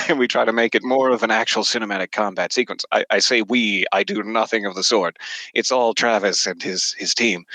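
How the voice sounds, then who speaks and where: A man's voice: lowish voice, sharp tone, no room sound, rough recording. A man giving a casual interview as a voice actor guest, joking and self-deprecating as he talks.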